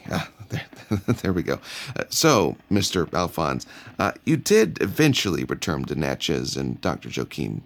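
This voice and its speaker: A man's voice: extremely low pitch, sing-song, normal speed, hardly any pauses. A middle-aged man interviewing an older storyteller, curious and a little fumbling. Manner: curious, slightly fumbling with fillers. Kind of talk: casual interview.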